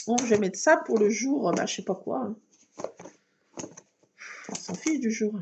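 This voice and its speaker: Chatty woman crafting, gravelly voice. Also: a little high, expressive, unhurried, background noise. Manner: chatty, talks to herself while working, fillers like voilà. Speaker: scrapbooking vlogger. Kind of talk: casual crafting chat to viewers.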